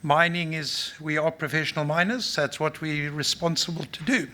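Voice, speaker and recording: A South African mining company executive gives an unscripted presentation on a conference stage, blunt and matter-of-fact, full of fillers and restarts. His fairly high, sharp voice keeps a steady tone at a normal speed.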